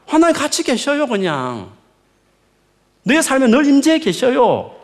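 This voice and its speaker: A male pastor delivers a sermon, his voice swooping high and low as he leans into each point. There is a gravelly fry in his tone, and he coaxes his listeners with rhetorical questions in a warm, conversational manner. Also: measured pace. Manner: lively, rising and falling emphatic preaching.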